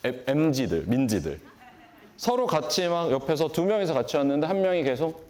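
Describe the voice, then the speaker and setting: A man's voice: fairly high pitch, brisk. A man in his forties giving a keynote talk at a large conference, asking the audience questions and acting out greetings. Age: 40s. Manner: animated, asks the audience questions and acts out greetings. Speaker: beauty industry lecturer.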